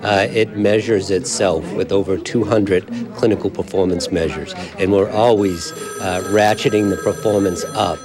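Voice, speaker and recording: A medical center director speaking formally about healthcare quality. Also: male voice, deep voice, fairly even intonation, moderate pace, hardly any pauses. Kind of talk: interview clip. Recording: busy room chatter and phones.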